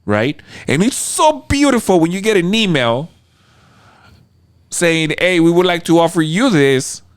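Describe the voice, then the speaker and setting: A man's voice: a little high, animated, measured pace, clear, resonant tone, no room sound. A man hosting a casual interview, talking in a motivational, emphatic way and playfully acting out scenes. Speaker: podcast host.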